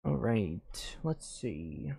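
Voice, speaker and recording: A tired man doing casual live gameplay commentary, thinking aloud in a low-key, meandering way. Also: sing-song, very slow, vocal fry, dark tone, husky. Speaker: game streamer.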